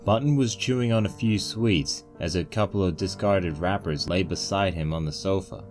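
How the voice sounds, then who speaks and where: A man's voice: low voice, normal speed, faint music behind. A man reading a scripted story as its narrator. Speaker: narrator of a fan fiction reading.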